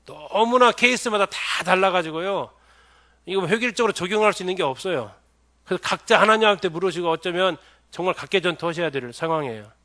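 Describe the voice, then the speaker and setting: A middle-aged man teaching a church seminar in a bright, ringing voice pitched a little high. He keeps turning to the listeners with questions and answers them himself. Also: quick pace. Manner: asks the audience many questions. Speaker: pastor.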